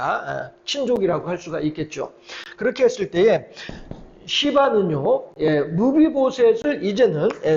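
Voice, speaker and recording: A man's voice: sits high, lo-fi sound. A man preaching a midweek sermon, retelling Bible scenes and acting out their dialogue with many fillers. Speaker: pastor.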